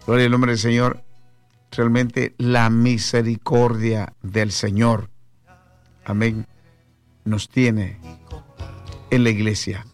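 Latin american guy preaching on radio, medium pitch, slow, lots of amens, music under it. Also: level tone. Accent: Latin American Spanish. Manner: devout, punctuates talk with hallelujahs and amens. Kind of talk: devotional radio preaching and chat with callers. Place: radio studio.

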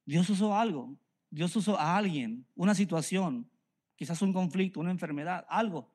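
A man's voice: sits high, normal speed, a little mellow, husky. A middle-aged man from Mexico with a Mexican Spanish accent, preaching a sermon earnestly and repeating phrases for emphasis. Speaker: pastor.

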